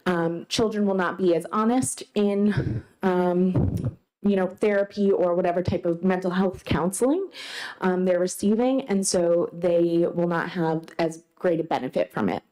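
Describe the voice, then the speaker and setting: A woman policy coordinator with a very quiet voice, giving soft-spoken, earnest testimony to a legislative committee in a hearing room. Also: fairly low pitch, poor audio. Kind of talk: formal testimony.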